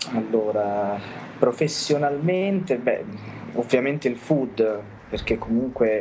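A man talks at a fairly slow pace while noticeable background noise is heard. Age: 30s. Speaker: food photographer. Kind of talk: interview.

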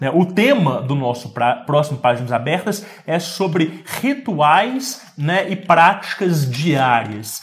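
With noticeable background noise behind him, a man speaks very slowly at a fairly high pitch, his pitch swinging very widely. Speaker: podcast host and reiki teacher. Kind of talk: live stream chat with listener reports. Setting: studio.

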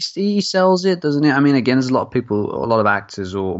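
A man with a plain, everyday voice talks at a fairly quick pace using lively intonation. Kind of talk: casual chat about films. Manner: rambling, filler words.

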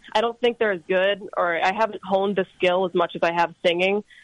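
Recorded with a dry, close sound and no echo, a woman talks in an ordinary speaking voice at a medium pitch with fairly even intonation. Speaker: musician. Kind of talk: casual radio interview.

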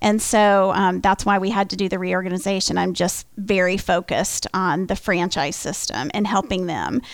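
A woman with vocal fry talks at a moderate pace and medium pitch, with fairly even intonation and hardly any pauses. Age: 40s. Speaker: franchise founder. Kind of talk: casual chat.

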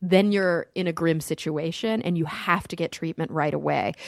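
A woman with an American accent speaks in a normal speaking voice at a moderate pace, her fairly low pitch moving with ordinary variation in a dry, close sound with no echo. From Texas (Plano). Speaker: science communicator and podcaster. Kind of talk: casual interview chat. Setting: remote call.

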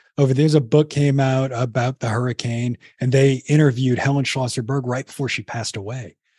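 At a very fast pace with hardly any pauses, a man speaks at a medium pitch in a somewhat breathy voice with a dark, mellow tone and monotone, flat intonation, in a dry, close sound with no echo over a quiet background. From New Orleans. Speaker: podcast host and storyteller. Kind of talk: storytelling interview. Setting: video call.

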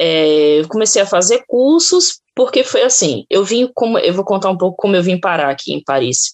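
With very wide pitch swings around a medium pitch, a woman talks with hardly any pauses. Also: moderate pace. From Northeast Brazil (Aracaju, then Fortaleza). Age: 30s. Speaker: art student. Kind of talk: interview. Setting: video call. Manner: halting, many fillers and repetitions.

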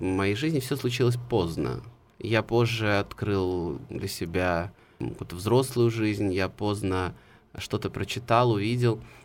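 A man's fairly low voice at a very slow pace with ordinary pitch variation, in a very clean recording with a silent background. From Saint Petersburg, Russia. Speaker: poet and musician. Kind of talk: interview. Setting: studio.

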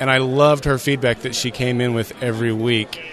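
A man with an American accent talks at a fairly quick pace, his medium-pitched voice keeping a fairly even intonation. Noticeable background noise sits behind him. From Oklahoma, US. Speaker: podcaster. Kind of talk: casual interview. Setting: live event.

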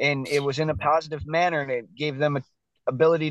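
Recorded dry and close with no echo, a man with an unremarkable speaking voice talks fairly quickly at a fairly high pitch. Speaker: podcast co-host. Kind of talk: casual chat.

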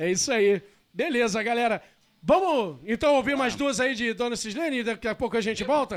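This man's voice is extremely high. He talks fairly quickly with lively intonation. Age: 40s. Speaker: podcast host. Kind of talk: casual interview.

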